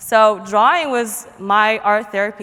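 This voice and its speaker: A woman speaks at a medium pitch. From moved to US at seven, grew up in Portland, Oregon. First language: not English. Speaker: artist and designer. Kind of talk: conference talk. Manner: casual, filler-heavy.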